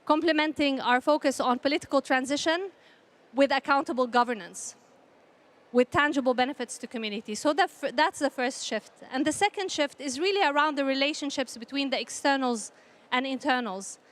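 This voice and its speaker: A woman from Palestine giving earnest, measured panel remarks in a formal style, often repeating phrases for emphasis. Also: high-pitched, fairly bright tone. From Palestinian, grew up in a conflict country. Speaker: panel speaker, peace initiative representative.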